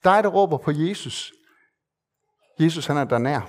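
Man preaching, earnest and conversational, fairly high-pitched voice, hesitant fillers, repeats words for emphasis. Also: lively intonation. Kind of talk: sermon.

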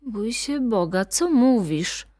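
A woman voicing an elderly, frightened mother who speaks in a hushed, pleading way. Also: on the high side, slow, no room sound, studio quality.

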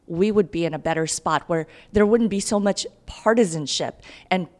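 A woman's voice: fairly low pitch, moderate pace, a little mellow. A woman, raised in Kansas, telling her story in an upbeat, earnest way as a podcast guest. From Guatemala. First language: Spanish. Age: 30s. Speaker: mayoral candidate, podcast guest. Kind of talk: podcast interview.

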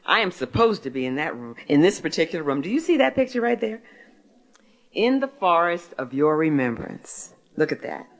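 Deep-voiced woman in her sixties testifying. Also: very animated, moderate pace. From Philadelphia, United States. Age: 60s. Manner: storytelling, asks and answers her own questions. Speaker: author and speaker. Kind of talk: faith testimony talk to an audience.

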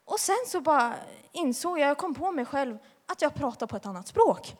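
Chatty young woman in reverberant church. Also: high voice. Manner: lively, chatty, laughs often. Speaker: youth leader giving a testimony. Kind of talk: church testimony. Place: church hall.

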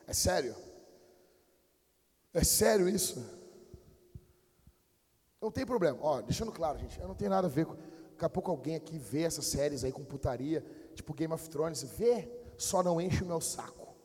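A man with a Brazilian accent preaching a sermon in a church, blunt and slangy, dropping to low mutters and then bursting into shouts. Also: expressive, moderate pace, long pauses, slightly rough, in a large hall. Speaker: pastor.

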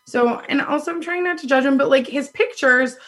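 A woman in her thirties with a loud voice, telling a dating story in casual chat, animated and laughing often. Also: high voice, brisk. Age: 30s. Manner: animated, laughs often, acts out quoted lines.

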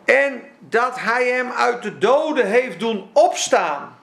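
A man preaching a sermon with fervor, his delivery swinging from soft to shouted. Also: very high-pitched, animated, slow, gravelly, reverberant.

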